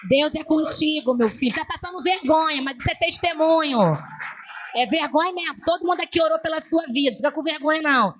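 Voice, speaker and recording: Brazilian woman, deaconess, sermon in church, emotional testimony, high voice. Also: background noise. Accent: Brazilian Portuguese. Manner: emotional storytelling, with slow emphatic repetition. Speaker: deaconess preaching. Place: church service.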